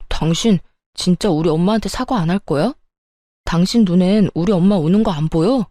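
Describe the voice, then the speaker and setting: A woman's voice: on the low side, moderate pace, warm tone, no room sound, clean studio sound, close to an everyday voice. A woman voicing an angry adult husband who sides with his mother and orders his wife around. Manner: demanding, commanding tone. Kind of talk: storytelling narration.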